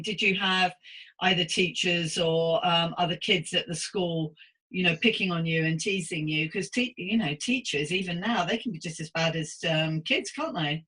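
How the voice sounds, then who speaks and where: A woman's voice: fairly low pitch, moderate pace, fairly bright tone, low-quality recording. A middle-aged British woman hosting a conversational interview, chatty and empathetic as she asks questions. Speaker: podcast host and interviewer.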